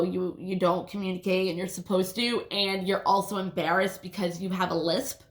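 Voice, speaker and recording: Gravelly woman with a lisp. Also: medium pitch, fairly bright tone. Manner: casual, swears often, restarts sentences. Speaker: vlogger. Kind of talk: rambling personal storytelling. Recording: roomy echo.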